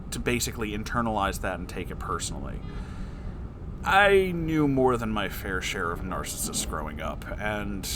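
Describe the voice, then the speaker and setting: A man's voice: on the low side, background noise. A man hosting a casual, rambling advice chat for his audience, speaking in a playful, affectionate, self-deprecating way. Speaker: YouTube host answering listener questions. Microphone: off-camera voice recording at a desk.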